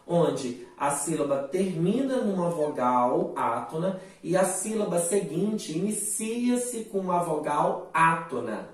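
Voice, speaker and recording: Brazilian male literature teacher, slow and explanatory, set back from the mic in a very echoey room. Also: on the high side, far from the mic. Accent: Brazilian Portuguese. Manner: slow, explanatory, with frequent "né" and "tá" checks. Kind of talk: recorded online class lecture.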